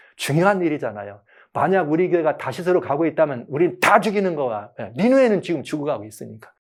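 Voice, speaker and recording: Speaking very fast in a fairly high pitch, a man makes very wide pitch swings and big swings in loudness on a very clean recording with a silent background. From Chungcheong, Korea. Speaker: pastor. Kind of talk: sermon.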